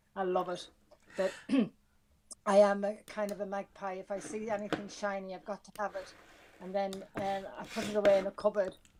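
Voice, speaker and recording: A woman with an Irish accent, medium in pitch, monotone and flat, at a fairly quick pace broken by long, frequent pauses, with big swings in loudness. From Ireland. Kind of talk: interview. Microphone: quiet sound level.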